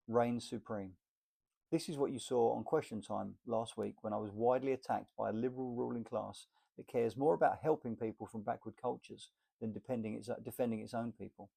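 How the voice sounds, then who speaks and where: A man's voice: mid-range voice, vocal fry, dark tone, slightly rough. A man reading a political essay aloud in an emphatic, list-like delivery. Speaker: reader.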